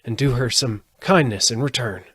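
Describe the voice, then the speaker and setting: A man's voice: mid-range voice, moderate pace, a bit bright, husky, dry recording, voice pushed up. A man voicing a grateful, cheerful living scarecrow with a merry, earnest manner in a storybook reading. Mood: relieved, grateful. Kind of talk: storybook character voice in audiobook.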